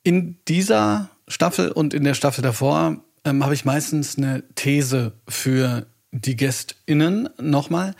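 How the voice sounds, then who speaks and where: Gravelly, rambling teacher who hosts a podcast. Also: male voice, a little high, takes it slowly, hardly any pauses, a little mellow. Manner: rambling, enthusiastic, many fillers. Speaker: podcast host, German teacher. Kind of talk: casual interview talk.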